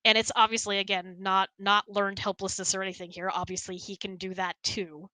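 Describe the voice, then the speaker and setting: Woman, middle-aged, bright tone, close dry sound, casual talkative chat. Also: mid-range voice, flat delivery, a little fast, no room sound, rough recording. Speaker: host of a couple's hangout. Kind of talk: casual chat, answering questions.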